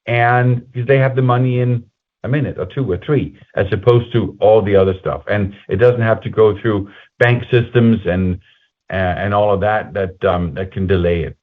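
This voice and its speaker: A man presenting company results on a conference call in a halting, conversational, explanatory way, as an executive speaking to investors. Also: on the low side, steady tone. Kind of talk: semi-scripted earnings call presentation. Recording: muffled phone-like conference call line.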